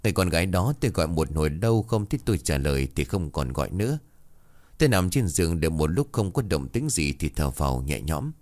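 Deep-voiced man narrating horror. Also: big pitch swings, fast talker, a little mellow. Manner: dramatic, suspenseful reading. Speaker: storyteller. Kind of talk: scripted horror story narration.

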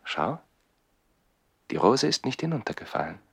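An actor playing an ardent, playful young baron in a 1960s radio play, eager and courtly, with a husky voice. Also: male voice, medium pitch, sing-song, normal speed, a bit bright, no echo, heavily acted. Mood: tender.

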